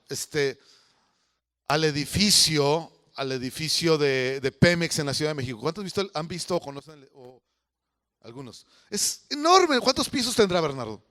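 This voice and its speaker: A man's voice: on the high side, pushed and bright. A man preaching a conversational sermon as pastor, often putting questions to the congregation. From Mexico.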